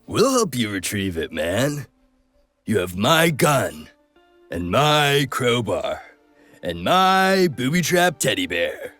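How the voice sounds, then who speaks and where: A joking game mercenary. He drawls very slowly with big swoops in pitch, laid-back and playful, over soft music. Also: sing-song, full character voice. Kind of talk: scripted game dialogue.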